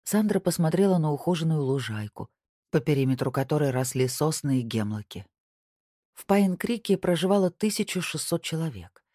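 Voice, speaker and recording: An audiobook narrator reading a novel in an even, unhurried storytelling manner. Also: medium pitch, no room sound, studio quality. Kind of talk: scripted narration.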